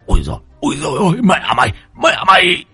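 Cursing hotheaded village exorcist, bright sharp yells, a bit husky, man doing the voice. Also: a little high, sing-song, fast, no echo, faint music behind, voice pushed up, exaggerated voice. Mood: pained cursing. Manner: cursing, barking orders. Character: hot-tempered foul-mouthed village exorcist, middle-aged man.

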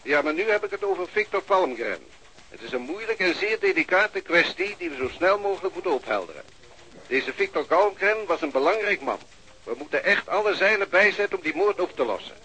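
A man acting an authoritative police superior in a Dutch radio drama, pressing and admonishing in a forceful way. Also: sits high, expressive, a little fast, a little hiss or hum, rough recording. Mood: urgent, stern.

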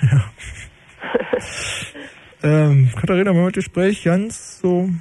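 A man's voice: high-pitched, slow, mellow. A man hosting a late-night call-in radio show from the studio, chatting with callers in a dry, ironic, teasing way.

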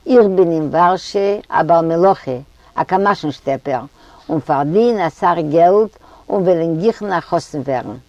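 A woman's voice: low-pitched, dry recording. A woman doing a brash young thief dictating boastfully. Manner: blustering, dictating slowly and loudly. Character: brash young male thief, proud and hot-tempered. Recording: dull lo-fi audio.

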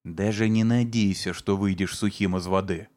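A man voicing a vengeful man who sneers at and shouts accusations against his brother-in-law. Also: deep voice, steady tone, normal speed, lightly acted. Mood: sneering accusation.

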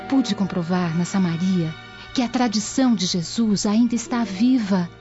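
An actress playing an earnest young Roman granddaughter with Christian faith in a radio soap opera, reverent and declamatory. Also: female voice, mid-range voice, moderate pace, mellow, lightly acted. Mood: fervent. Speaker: radio drama actor. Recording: dull lo-fi audio with faint music.

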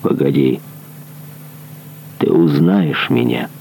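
A man voicing a stern, vengeful monk who presses a dying man with hushed, menacing demands. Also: extremely low pitch, takes it slowly, gravelly, slight background noise, voice pushed down, heavily acted. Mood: cold menace. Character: stern, vengeful male monk, cold and relentless.

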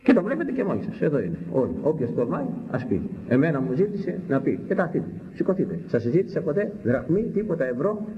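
An older man preaching a sermon, impassioned, often rising to loud rhetorical cries, recorded in a church hall. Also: fairly high pitch, big pitch swings, few pauses. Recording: muffled distant recording with faint ambience.

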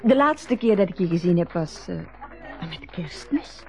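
A woman's voice: lowish voice, lively intonation, unhurried, darkish tone. A woman acting in a radio drama, playing a reserved, polite visitor with an understated, brief way of talking. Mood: casual, hesitant. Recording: muffled radio play recording, faint music.

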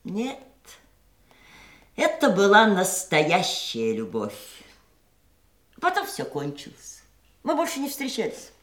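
An actress playing a dignified, candid mistress in an audio drama, reflective and wistful in a theatrical style. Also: female voice, mid-range voice, slow pace, long pauses, exaggerated voice. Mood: nostalgic, tender. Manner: reflective, expressive.

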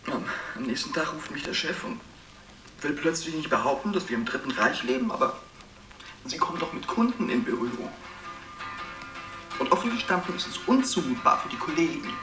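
A man's voice: on the high side, animated, a little fast, pauses often, bright, forceful tone, far from the mic. A man acting a flamboyant, self-pitying, broke gay man in a radio play, agitated and plaintive. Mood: wounded, recounting. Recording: echoey room, off the mic, music behind.

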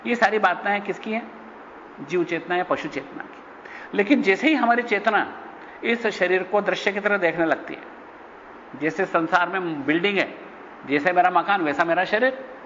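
A man with a fairly high voice gives a spiritual lecture in a hall with a long reverb. He tells a story, acting out the quoted lines with jumps in pitch. The recording is dull and lo-fi, with faint hiss. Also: moderate pace, fairly bright tone. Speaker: spiritual teacher. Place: ashram hall.

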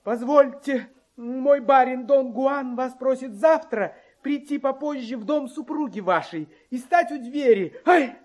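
Cowardly comic servant, high voice, fretful wry grumbler in old radio play. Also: male voice, unhurried. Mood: terrified. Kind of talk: classic Russian radio play acting.

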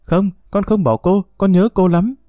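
Storybook: man plays a weepy homesick little girl, pleading, dark-toned and dry. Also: a little high, expressive, moderate pace, dry recording, muffled recording, faint music behind, lightly acted. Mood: tearful pleading. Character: young girl, homesick and tearful.

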